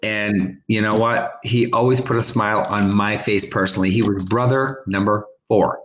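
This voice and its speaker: A man's voice: lowish voice, fairly even intonation, fairly bright tone, a little hiss or hum. Chatty man calling bids in a roomy echo. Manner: chatty, rapid repetitive bid calling. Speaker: co-host, charity auction caller. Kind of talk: casual livestream chat and auction calling. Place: home room. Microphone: webcam on a video call.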